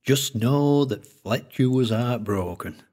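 A man voicing an older male collector with a thick Lancashire accent, speaking in a slow, droning storytelling way. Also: mid-range voice, expressive, a little mellow, voice pushed up.

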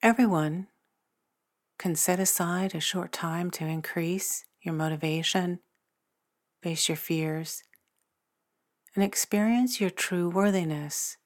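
A woman narrating a guided meditation in a soothing, measured manner with long pauses between phrases. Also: on the low side, steady tone. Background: new-age meditation music.

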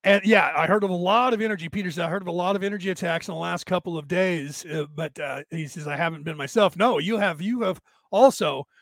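A man with a raspy, tired, worn-out voice, talking casually and haltingly as he hosts a rambling livestream and answers listeners. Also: high voice, a bit bright, dry recording, studio quality. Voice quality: raspy, damaged-sounding voice from long-standing vocal cord trouble. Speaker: host of a spiritual talk livestream.

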